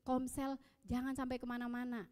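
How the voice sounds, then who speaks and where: A woman in her thirties with an Indonesian accent, preaching at a youth service and telling personal stories in a lively way. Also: high-pitched, moderate pace, smooth. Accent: Indonesian, Samarinda. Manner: lively storytelling, acting out dialogue. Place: church hall. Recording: long echo of a church hall.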